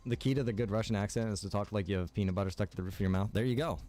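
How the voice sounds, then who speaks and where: A man's voice: lowish voice, rapid-fire, dark tone. A man streaming a game, chatting casually with viewers, rambling and joking as he plays. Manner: rambling and joking, chats to viewers and reacts while playing.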